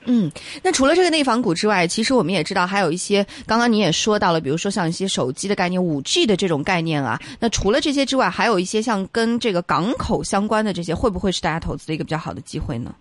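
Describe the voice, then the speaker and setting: A woman's voice: mid-range voice, animated, fast talker, hardly any pauses, no echo. A woman hosting a finance interview, putting questions politely with long, wordy lead-ins. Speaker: interviewer, host.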